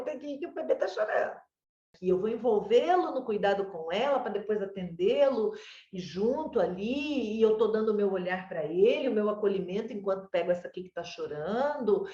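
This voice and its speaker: A woman with a Brazilian Portuguese accent giving a parent advice, explaining patiently and checking in with "né?" and "sabe?". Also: medium pitch. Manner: warm explanatory, lots of "né?" and "sabe?". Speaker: child development consultant. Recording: roomy, distant, dull mic.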